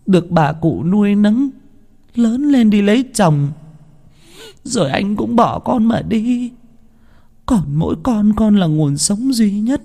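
A man's voice: mid-range voice, dark tone, roomy sound, big-room sound, lightly acted. A man voicing a grieving young peasant mother who pleads through tears and swears revenge. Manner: sobbing, pleading.

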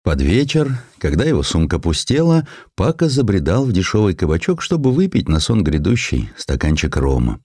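A man reads scripted literary prose as an audiobook narrator. His low voice moves expressively through the phrases with dramatic, measured storytelling, and the recording is dry and close. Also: wildly swooping pitch, a little mellow, breathy edge, no echo.

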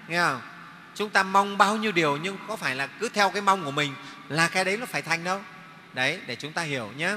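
A man's voice: high voice, pushed and bright, slight background noise. A man, a Buddhist monk, giving a dharma talk to a congregation. He explains with homely everyday examples and keeps checking in with his listeners. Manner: explains with homely examples and repeated "nghe không?" check-ins. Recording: long reverb of a hall.

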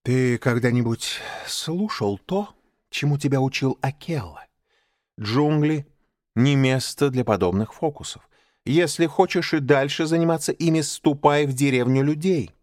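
A man's voice: mid-range voice, sing-song, unhurried, no echo, studio quality. A man voicing a stern, angry male panther in an audiobook, clipped and scolding. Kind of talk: audiobook character voice.

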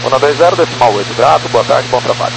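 A man's voice: medium pitch, fast talker, gravelly, over music. A Brazilian man speaking as a pilot, giving courteous, formal readbacks over aviation radio. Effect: radio transmission. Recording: noisy, humming cockpit radio transmission.

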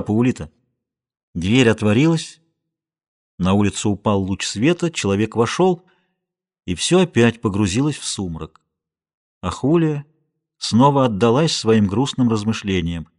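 An audiobook narrator reads a novel aloud with measured, expressive storytelling. His voice sits on the low side.

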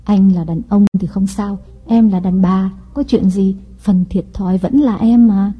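A man's voice: high-pitched, measured pace, slightly rough, muffled recording, voice pushed up. A man voicing a scheming young wife who coaxes and pleads in a sweet, whiny tone. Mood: pleading.

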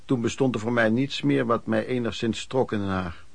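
A man's voice: medium pitch, normal speed, creaky, a little hiss or hum, natural voice. An actor playing a former street peddler who frankly recounts his youth as radio play narration, in a conversational way. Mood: reflective. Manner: conversational storytelling.

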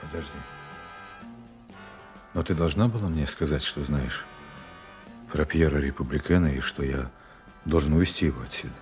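An actor playing a guarded secret agent, tender but bitter, with an intense, deliberate delivery in a Russian audio play. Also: male voice, extremely low pitch, a little mellow. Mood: tense, restrained. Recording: music under the voice.

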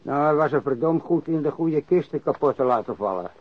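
An actor playing a crusty old warehouse worker and ex-sailor who grumbles and rambles bluntly, in a radio drama. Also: male voice, fairly high pitch, expressive, a little fast, no echo. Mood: grumbling, reminiscing. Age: older. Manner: grumbling, rambling, cursing, repeats himself. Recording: dry, dull lo-fi radio recording.

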